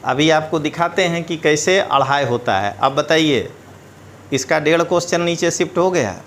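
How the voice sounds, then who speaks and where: A man teaching an exam syllabus lecture, explaining in a lively way and checking in with his students. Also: fairly high pitch, normal speed, a little hiss or hum. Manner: animated, explanatory, addresses students directly with rhetorical checks.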